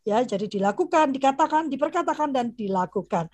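A woman's voice: high-pitched, animated, brisk, darkish tone, no echo. Chatty woman host, dry close sound. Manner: chatty, frequent "gitu ya" fillers, laughs often; mixes English phrases into speech. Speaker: host of online parenting session. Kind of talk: casual closing talk to an online group. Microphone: video call.

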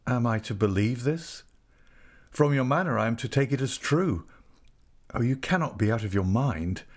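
A man's voice: mid-range voice, lively intonation, normal speed, voice pushed up, lightly acted. Male reader as young husband, dazed, grave, coldly rejecting, incredulous, literary audiobook drama. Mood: dazed disbelief. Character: stunned, rigid young husband, coldly rejecting his wife. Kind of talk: dramatic audiobook character reading.

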